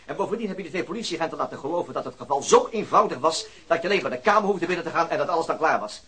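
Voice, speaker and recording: A man's voice: on the high side, animated, racing, bright, forceful tone. An actor playing a stern, exacting male police detective in a radio play, clipped and sarcastic. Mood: stern, accusing. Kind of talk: radio drama acting.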